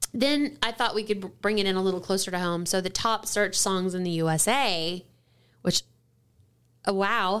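A woman talks at a moderate pace and medium pitch with ordinary pitch variation and very even loudness in an ordinary speaking voice, the recording very clean with a silent background. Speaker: podcast co-host. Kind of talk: casual conversation.

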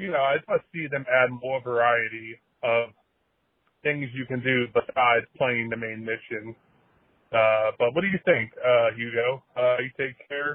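This is a normal speaking voice at a fairly slow pace with fairly even intonation. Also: man, medium pitch for a man. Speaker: caller. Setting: phone call.

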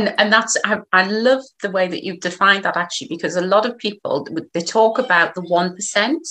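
A woman's medium-pitched voice, a plain, everyday voice, at a moderate pace with hardly any pauses and ordinary pitch variation. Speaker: event and podcast host. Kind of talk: hosting a live discussion. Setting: video call.

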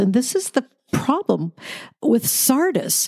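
A woman's somewhat breathy voice comes through with a dry, close sound and no echo. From raised Adventist. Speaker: podcast co-host. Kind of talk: casual Bible study discussion.

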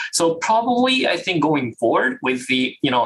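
Noticeable background noise surrounds a man whose high voice makes very wide pitch swings. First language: Japanese. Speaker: stem cell scientist. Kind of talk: casual chat.

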